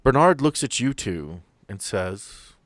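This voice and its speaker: A man's voice: mid-range voice, sing-song, takes it slowly, no room sound. A man running a tabletop game as game master, playful and joking with his players.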